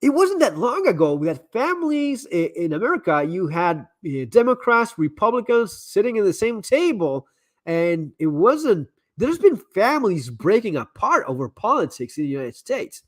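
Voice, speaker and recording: A man's voice: high voice, big pitch swings, moderate pace, no room sound. A man hosting a live stream, chatting casually and giving candid advice, often repeating words as he restarts sentences. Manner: frequent stammered repeats and restarts. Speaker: live stream host answering viewer messages.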